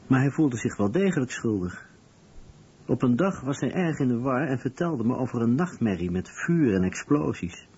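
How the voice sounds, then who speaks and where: A man delivers a scripted documentary voice-over. His medium-pitched voice is rough-edged, and the radio recording is dull. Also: sing-song, normal speed, darkish tone. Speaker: voice-over translator.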